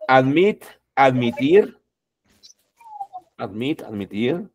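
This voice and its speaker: A man teaching a class, repeating each word and its translation, calling out words loudly and then dropping his voice. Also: mid-range voice, big pitch swings, extremely slow, dull audio. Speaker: English teacher. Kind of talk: classroom lesson.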